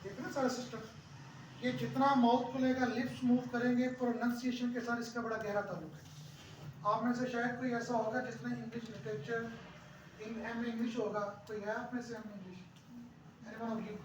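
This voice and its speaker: A teacher trainer giving a workshop lecture, repeating key phrases, asking the audience questions, and reading English lines aloud slowly. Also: mid-range voice, flat delivery. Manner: reads English lines aloud slowly, one word at a time. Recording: very echoey room, distant mic, faint noise.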